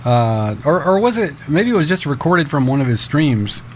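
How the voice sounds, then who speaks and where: A man in his fifties co-hosting a casual podcast, animated and quick to laugh. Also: a little high, slight background noise. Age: 50s. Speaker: podcast co-host.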